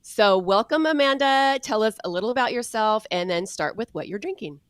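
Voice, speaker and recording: Mom co-host, midlife, enthusiastic intro, dry mic. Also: female voice, medium pitch, animated, normal speed, no room sound. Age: middle-aged. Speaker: podcast co-host. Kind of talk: casual chat, introducing a guest.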